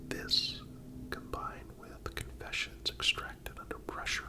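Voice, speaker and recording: A man narrates in an ASMR style, entirely in a whisper. His delivery is slow and deliberate, with a calm, measured manner throughout. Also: low-quality recording.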